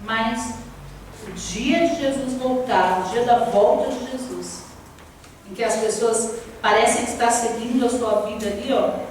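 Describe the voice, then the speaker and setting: High-voiced woman pastor in an echoey hall. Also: measured pace, darkish tone. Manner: asks the congregation direct questions. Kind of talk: sermon. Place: church hall. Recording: echoey church hall from far off, faint noise.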